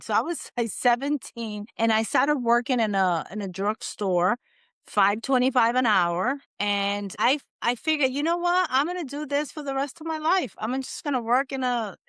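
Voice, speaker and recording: A woman in her forties from the Dominican Republic, a guest telling her life story in a casual interview, animated and acting out her own past thoughts. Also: on the high side, clean tone, no room sound, studio quality. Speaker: guest, agency owner.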